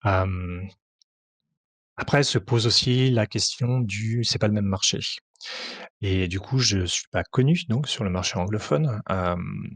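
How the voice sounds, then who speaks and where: Low gravelly hesitant man. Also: measured pace, no echo. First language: French. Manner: hesitant, many fillers and restarts. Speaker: tabletop game author and translator. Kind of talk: casual interview answers.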